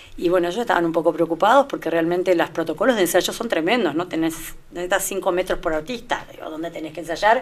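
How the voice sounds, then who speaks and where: A woman's fairly low voice at a very fast pace with hardly any pauses, over noticeable background noise. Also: ordinary pitch variation. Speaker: comedic actress. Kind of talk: radio interview.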